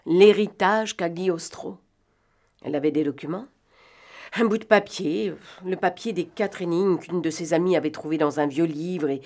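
A woman's voice: lowish voice, a little mellow, lightly acted. A woman reading aloud as a weary, guilt-ridden young adventuress who murmurs her confessions. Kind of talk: audiobook reading.

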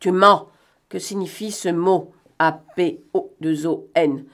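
Woman voicing a sly gentleman thief for an audiobook: bantering, sardonic, quick commands, pitch sitting a bit low. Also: steady tone. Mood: commanding. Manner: bantering, sardonic, brisk orders. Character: cunning gentleman thief, man, mocking and commanding. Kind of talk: audiobook reading.

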